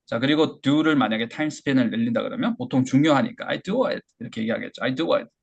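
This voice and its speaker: Gravelly-voiced male English teacher. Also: medium pitch, lively intonation, dull audio. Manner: explains step by step and models English phrases slowly. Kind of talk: online lecture.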